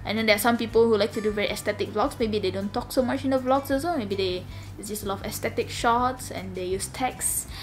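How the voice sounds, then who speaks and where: A young woman from Malaysia with a slightly raspy, low voice, chatting casually in a sit-down vlog at home, rambling with lots of fillers. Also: fast talker, soft background music. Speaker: vlogger. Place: home room.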